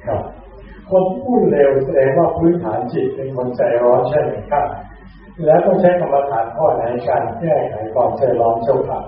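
A man's voice: mid-range voice, brisk. A man politely reading audience questions aloud to a teacher. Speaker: question reader. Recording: distant tinny roomy mic.

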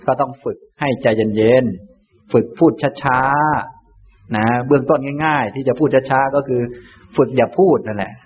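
A man, a Buddhist monk teacher, giving a calm, gentle dharma talk and answering questions. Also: medium pitch, lo-fi sound. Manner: calm, unhurried, gentle explaining.

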